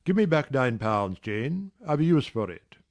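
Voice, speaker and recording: A man voicing a brusque, teasing, middle-aged gentleman employer in a dramatized reading of a classic novel. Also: medium pitch, sing-song, moderate pace. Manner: gruff, teasing, commanding.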